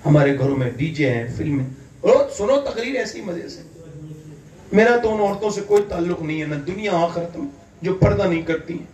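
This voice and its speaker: A man from India preaching an impassioned sermon, fervent and building to loud emphatic peaks. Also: sits high, expressive. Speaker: Islamic preacher. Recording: echoey hall, distant mic, faint ambience.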